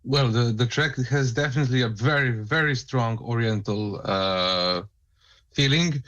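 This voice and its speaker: A man from Serbia with a Serbian accent, giving casual feedback on music in a halting, repetitive way. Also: mid-range voice, fairly bright tone, dull audio. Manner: halting, repeats words. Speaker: music reviewer on a show.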